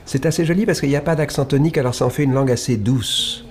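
Author guest, man, standard French accent, mid-range voice, halting and reflective. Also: medium pitch, faint music behind. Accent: standard Île-de-France French. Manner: thoughtful and halting, with wide swings in loudness and emphasis. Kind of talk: reflective conversation.

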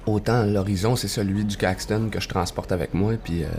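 Folksy Québécois man, low voice. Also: steady tone, brisk, a little mellow. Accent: Québécois French. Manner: easygoing and folksy, with loose fillers and tags. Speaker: storyteller guest. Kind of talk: casual conversation.

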